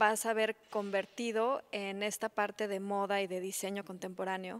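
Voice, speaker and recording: Her delivery is monotone and flat. The woman keeps a moderate pace. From northern Mexico, Saltillo, Coahuila; Coahuila, Mexico. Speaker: fashion designer; interviewee. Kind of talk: interview. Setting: museum exhibition. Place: hall. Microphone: handheld.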